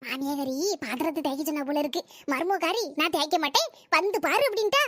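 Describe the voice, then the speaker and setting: A woman's voice: high-pitched, fast talker, a bit bright, no room sound, clean studio sound. A woman voicing a scheming neighbor who spreads gossip, in a cartoon comedy. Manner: breathless storytelling gossip.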